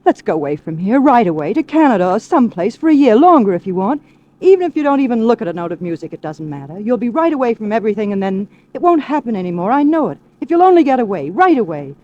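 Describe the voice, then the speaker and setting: An actress playing a devoted young wife in a 1940s radio drama, with earnest, emotional delivery. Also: female voice, a little high, very animated, quick pace, dark tone. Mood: tender. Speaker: radio drama lead and narrator. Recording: dull lo-fi vintage radio broadcast.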